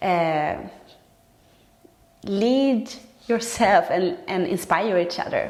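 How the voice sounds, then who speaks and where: With lively intonation, a woman speaks in a Swedish accent. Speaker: yoga teacher. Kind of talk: vlog talk to camera. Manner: hesitant, many fillers.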